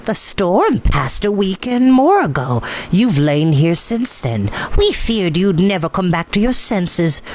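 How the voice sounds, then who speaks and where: Man voicing older fisherman's wife, gentle, kindly, storybook reading, noisy recording. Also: sits high, sing-song, measured pace, few pauses, voice pushed up.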